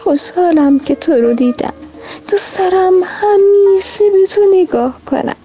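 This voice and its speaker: A woman voicing a small, lonely, childlike piece of ice that longs for a friend, in a high pleading storybook voice. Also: animated. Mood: wondering, eager. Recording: dull lo-fi radio sound with soft music.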